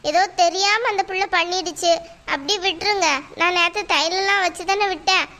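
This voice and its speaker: A woman's voice: very high voice, steady tone, moderate pace, pushed and bright. A woman voicing a patient cartoon teacher. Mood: calm firm. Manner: soothing, firm, reasoning. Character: patient school teacher, calm and weary. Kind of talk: cartoon voice acting.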